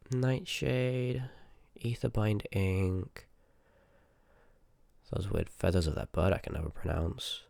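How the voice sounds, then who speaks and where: A very low-voiced, gravelly sorcerer, acted by a man, talks straight to the listener in a fantasy audio roleplay. He is rude and curious, full of sarcastic banter and muttered asides. The sound is close and very dry, with no room around it. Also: a little mellow, dry recording, heavily acted. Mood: businesslike. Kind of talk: ASMR audio roleplay acting, addressed to the listener.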